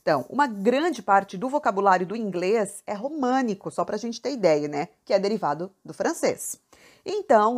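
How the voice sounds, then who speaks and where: A woman's voice: mid-range voice, darkish tone. A woman hosting a language podcast, talking casually and speaking straight to the listener. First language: Portuguese. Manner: chatty, addresses the listener directly. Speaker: podcast host.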